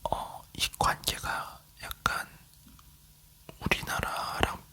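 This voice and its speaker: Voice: takes it slowly, sharp tone. An ASMR creator from South Korea leaning in to whisper, chatting casually as they tell a travel story.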